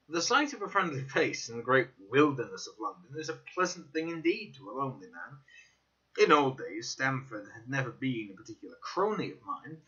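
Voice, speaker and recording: A man giving a dramatic, scripted audiobook narration with theatrical, deliberate phrasing. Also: fairly high pitch, bright, forceful tone, highs cut off.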